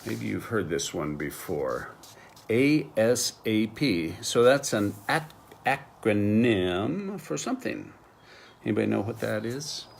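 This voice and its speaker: Casting: middle-aged American male teacher, low voice, slow patient delivery, faint noise. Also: sing-song, creaky. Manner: slow, patient explaining with examples. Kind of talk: slang lesson.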